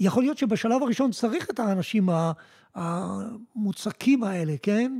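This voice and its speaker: A man with a high, dark, mellow voice talks fairly slowly with ordinary pitch variation, in a dry, close sound with no echo. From Israel, immigrated from Morocco at age four. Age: 70s. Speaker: professor emeritus. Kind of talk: interview.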